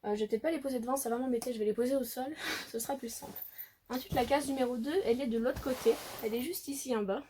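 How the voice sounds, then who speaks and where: A woman's voice: fairly high pitch, fast, dark tone, a little hiss or hum. A woman vlogger chatting casually through an unboxing, thinking aloud with lots of fillers. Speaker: beauty vlogger.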